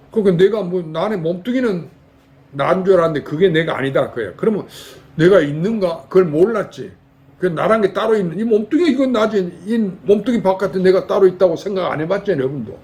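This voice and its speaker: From Jeolla, South Korea, an older monk with a high-pitched, slightly mellow voice delivers a folksy dharma talk in a temple hall. He quizzes his lay audience through rhetorical questions.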